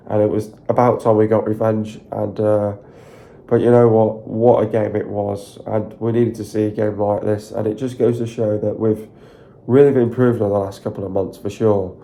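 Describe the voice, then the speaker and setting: On his football fan video channel, a man with a fairly low, croaky voice and a sore throat talks at length about his team's win. It's casual solo commentary, loose and repetitive, full of filler and excited rambling.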